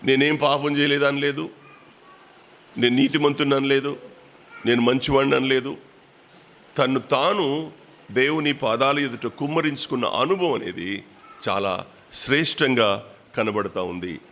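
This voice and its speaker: A man preaching a Bible sermon in a prayer hall, repeating his phrases and pausing on drawn-out fillers. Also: medium pitch, fairly bright tone.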